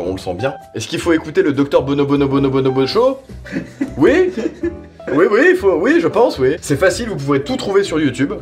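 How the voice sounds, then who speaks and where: A man giving a slangy, casual spoken review, rambling conversationally and repeating himself for emphasis. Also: mid-range voice. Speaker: reviewer presenting audio series.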